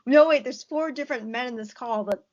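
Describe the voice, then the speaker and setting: A woman with a high-pitched voice, a journalist and tarot reader talking as a podcast guest, animated and giggly, with quick bursts of speech. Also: dull audio. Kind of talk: casual chat over a call. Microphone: remote call audio.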